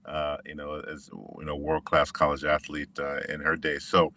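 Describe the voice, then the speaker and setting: A middle-aged man from Washington State, a former football player telling his story in a relaxed, reflective way with many restarts. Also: rumbling low, moderate pace, dry recording, clean studio sound, recorded from a distance. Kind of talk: conversational interview.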